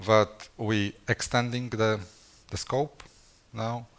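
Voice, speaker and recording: A man's voice: fairly low pitch, little pitch movement, takes it slowly. A man speaking at a conference, answering audience questions in a hesitant way with many fillers and restarts. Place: conference session room.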